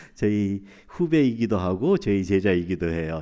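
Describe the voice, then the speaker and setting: Against a very clean, silent background, a man speaks with a very deep, low pitch and a dark, mellow tone. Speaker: missionary pastor. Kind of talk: sermon. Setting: church. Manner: fast.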